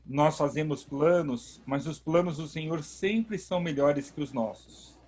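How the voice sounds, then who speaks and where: A man's voice: on the high side, unhurried, a little mellow. A man, a pastor hosting an online service from home, speaking emphatically and praising God. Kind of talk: warm preaching talk.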